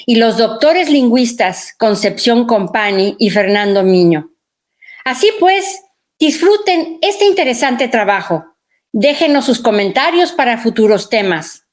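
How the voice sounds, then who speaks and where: A woman reads a formal welcome with a ceremonious air. Her voice is fairly high and moves a lot in pitch. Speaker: program presenter. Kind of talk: formal read welcome speech.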